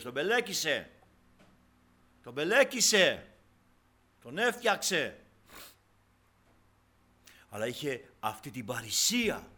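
A man preaching a sermon to his congregation, impassioned, dropping to hushed tones and then rising to loud, fervent exclamations. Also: mid-range voice.

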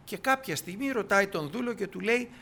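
Lively Greek-speaking preacher man. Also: sits high, creaky, a little hiss or hum. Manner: reads scripture aloud, then retells with lively acted dialogue. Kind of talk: sermon retelling a scripture story.

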